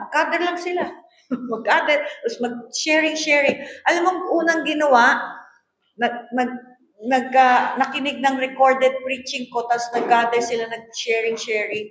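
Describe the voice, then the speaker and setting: A woman's voice: a little high, normal speed, a bit bright. A woman pastor preaching a sermon, switching between languages and telling stories with voiced quotes. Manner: mixes Tagalog and English, tells stories and acts out quoted voices. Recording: echoey room, dull lo-fi sound.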